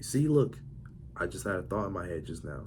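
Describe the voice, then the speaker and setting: Vocal fry runs through this man's voice as his pitch swings very widely. Audible room echo surrounds him. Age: young. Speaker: vlogger. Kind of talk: casual monologue to camera. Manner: halting.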